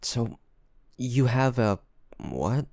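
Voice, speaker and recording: A man playing a loving, worried boyfriend in an intimate roleplay audio drama, speaking gently and hesitantly in a pleading way. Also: medium pitch, very animated, drawn-out words, no room sound, studio quality, heavily acted. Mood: concerned, apologetic. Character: loving, worried boyfriend coaxing his sick partner to rest.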